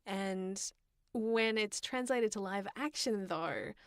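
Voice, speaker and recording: A woman's voice: medium pitch, takes it slowly, clear, resonant tone, dry recording, studio quality. Frank, chatty woman with a mid-range voice. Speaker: podcast co-host. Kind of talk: casual opinionated chat.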